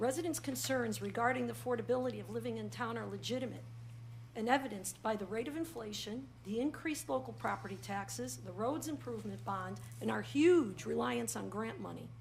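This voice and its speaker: Noticeable background noise, audible room echo and a fairly quick pace. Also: woman. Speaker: resident at public comment. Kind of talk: prepared public comment. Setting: town meeting with microphone. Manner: soft-spoken.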